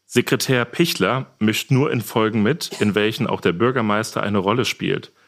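A man's voice: fairly low pitch, moderate pace, vocal fry, a bit bright. A man moderating a casual podcast quiz as its host.

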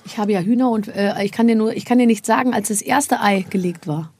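A woman's voice: mid-range voice, brisk, darkish tone, husky. A woman hosting a podcast, chatting playfully and teasing her guest. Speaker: podcast host. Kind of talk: casual interview chat.

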